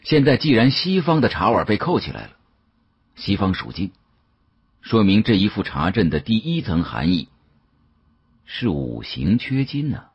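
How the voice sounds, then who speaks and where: A man narrating an audiobook in the first person, dramatic, expressive and musing. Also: fairly low pitch, moderate pace, long pauses, slightly rough, dry recording, dull audio.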